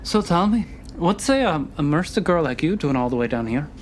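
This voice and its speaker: A woman's voice: sits low, lively intonation, fairly quick, a little hiss or hum. A woman voicing a brusque but hospitable punk woman in a tabletop game, with a teasing, bossy, folksy manner. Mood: curious, hospitable. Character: brusque, hospitable young punk woman running a back-alley hideout. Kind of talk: tabletop roleplay.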